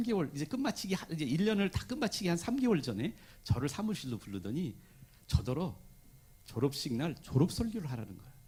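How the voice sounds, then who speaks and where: A man's fairly high-pitched voice with a dark, mellow tone and vocal fry, at a moderate pace with very wide pitch swings. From South Korea. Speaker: pastor. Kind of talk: sermon.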